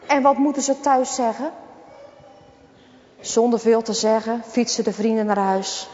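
A woman reading a children's story aloud in a lively, dramatic way. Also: a little high, a little slow. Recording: dull, echoey recording.

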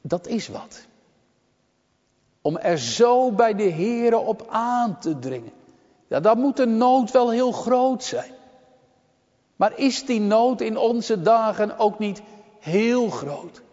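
A man preaching a sermon in a slow, solemn, deliberate way with long pauses. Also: sits high, darkish tone. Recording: long church reverb, dull lo-fi sound.

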